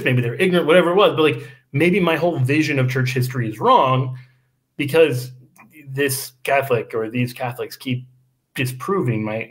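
A man in his thirties, a guest on a podcast, making an animated, argumentative case over a video call. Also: fairly high pitch. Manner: animated, argumentative, quick asides. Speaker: guest apologist. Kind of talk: casual podcast discussion. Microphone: video call microphone.

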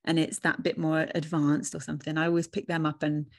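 A woman in her thirties hosting a relaxed conversation over a video call, her voice a touch lower than most. She speaks close to a studio microphone, headphones on, from a room at home lined with bookshelves. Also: a little fast. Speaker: host. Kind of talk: casual conversation. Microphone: studio mic with headphones on a video call.

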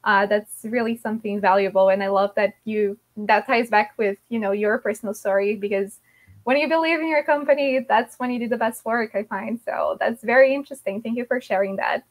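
A woman's voice: mid-range voice, fairly quick. A woman hosting an online club interview, chatty, with many likes and restarts. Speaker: host of an English learners' club. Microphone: video call.

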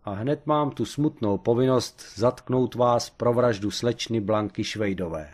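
A man voicing a dry, courteous police captain who speaks in a measured way. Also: mid-range voice, darkish tone, close to an everyday voice.

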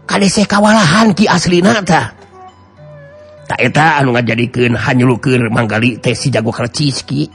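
A man's voice: medium pitch, moderate pace, a bit bright, slightly rough, soft background music. A man voicing a boastful martial fighter who pleads and complains repetitively, with a Sundanese accent, in a radio drama. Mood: aggrieved.

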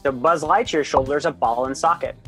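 A man's voice: a little high, a little fast, bright, forceful tone, soft background music. A middle-aged man explaining casually in an interview over a video call from a home office. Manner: informal, conversational. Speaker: expert interviewee. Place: small home office lined with books. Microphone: video call with wired earphones.

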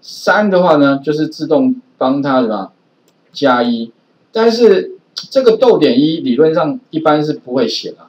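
A male programming teacher with a Taiwanese Mandarin accent gives a recorded classroom lecture in a chatty style, full of filler particles. His voice is fairly high, slightly mellow, and lively in intonation at a moderate pace. The audio is dull lo-fi classroom sound, roomy and distant.

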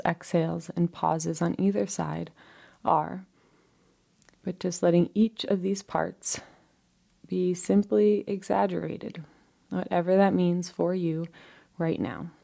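A woman leading a guided relaxation, giving soft, unhurried instructions in a gentle, soothing manner with frequent pauses between phrases. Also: lowish voice, creaky.

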